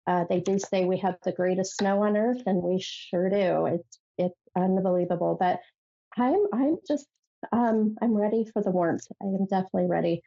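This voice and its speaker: A woman's voice: medium pitch, moderate pace, vocal fry, mellow, muffled recording. A woman hosting a psychic call-in radio show, sounding nasal from a head cold and rambling chattily with many fillers and restarts. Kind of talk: casual call-in radio monologue.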